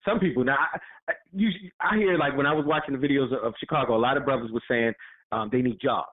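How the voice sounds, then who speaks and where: Male co-host, mid-pitched, blunt and direct, phone-line audio. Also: fast. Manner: blunt, plain-spoken, agreeing with short interjections. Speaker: podcast co-host. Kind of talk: casual political discussion. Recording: tinny phone-line sound.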